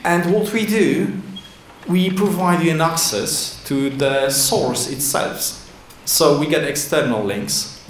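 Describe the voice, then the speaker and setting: A man giving a slide talk at a conference from a podium, in halting with frequent fillers and restarts. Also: fairly high pitch, slight background noise. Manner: halting non-native English with many fillers and restarts. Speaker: conference presenter. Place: large indoor conference hall. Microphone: lectern microphone at a podium. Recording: echoey hall with faint ambience.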